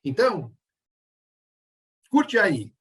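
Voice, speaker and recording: A man's voice: sits high, huge pitch swings, very slow, distant mic. A man hosting an online interview show, chatty, with rambling questions full of restarts, recorded in an echoey room away from the mic.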